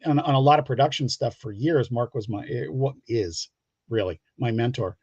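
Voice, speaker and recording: A man tells stories in a casual, meandering way, often halting as he goes. His voice sits at an average pitch. The sound is somewhat dull and lo-fi. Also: a little mellow, husky. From United States, Pittsburgh area. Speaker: guest comic book creator. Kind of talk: casual anecdotal chat. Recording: dull lo-fi, roomy call audio.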